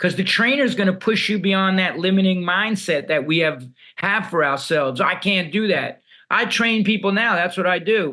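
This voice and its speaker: A man with a New York accent uses a raised, projected voice at a high pitch. His tone is bright and sharp, with very even loudness and ordinary pitch variation. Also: moderate pace. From New York City. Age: 60s. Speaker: punk musician and author. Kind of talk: podcast interview. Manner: animated.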